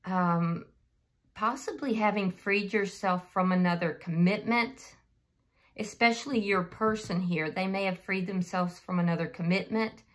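Her mid-range, slightly hoarse voice moves at an unhurried pace. She hosts the channel and addresses the listener directly while doing an unscripted, casual tarot reading.

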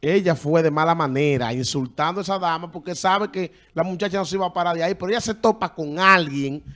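A man co-hosting a talk show, exclaiming and talking over others in excited casual chat. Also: on the high side, quick pace.

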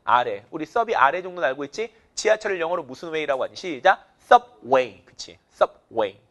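Male teacher, lively up-and-down voice, fairly high, call-and-response drilling, energetic lecture. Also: fast. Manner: drills students with countdowns and repeated cues, jokes in slang. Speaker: English teacher.

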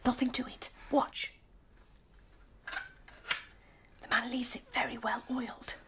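A woman's voice: on the high side, little pitch movement, normal speed, whispered, natural voice. A British woman playing a bold, determined female rabbit, urgent and persuasive, in a radio drama. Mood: confident.

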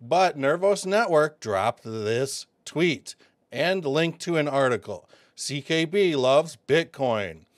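Excitable man hosting crypto commentary. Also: fairly high pitch, takes it slowly, no echo, studio quality. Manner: excitable, talks to viewers as folks, many fillers. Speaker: crypto video host. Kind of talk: casual commentary.

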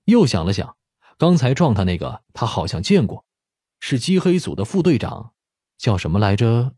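A man's voice: mid-range voice, sing-song, normal speed, dark tone, slightly rough, dry recording, studio quality. A man reading a dramatic scripted audiobook narration.

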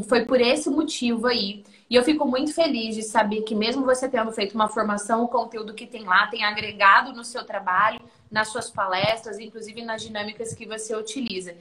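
A woman from Brazil, hosting a live stream about her coaching course and telling stories in an animated way. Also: fairly high pitch. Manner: animated storytelling, acts out quotes. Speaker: host and coaching instructor.

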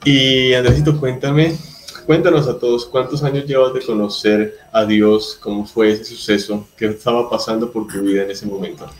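A man's voice: medium pitch, steady tone, normal speed. A young man hosting a Christian interview over a video call from a room at home, friendly and upbeat, with many filler words. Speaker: host.

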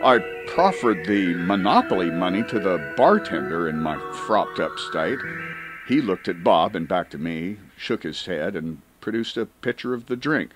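Animated male audiobook narrator over music. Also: low voice, moderate pace, poor audio. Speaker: audiobook reader. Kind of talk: scripted first-person narration of a comic spy story.

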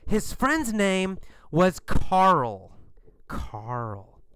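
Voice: mid-range voice, big pitch swings, extremely slow, a bit bright, clear, resonant tone, dry recording, studio quality. A teacher telling a story as a question-and-answer lesson, drilling each point with repeated questions and emphatic answers. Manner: emphatic, exaggerated delivery. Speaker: English teacher.

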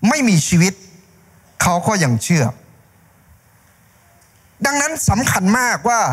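A man in his fifties preaching a sermon on a church stage, holding a handheld mic, animated and gesturing. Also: sits high. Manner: animated, gesturing preacher acting out story voices. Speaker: pastor. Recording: long hall reverb.

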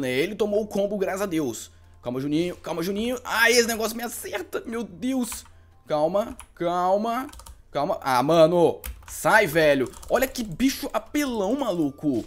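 A young man with a Brazilian Portuguese accent giving live gameplay commentary, excitable and frantic, repeating words. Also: sits high. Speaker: gaming YouTuber.

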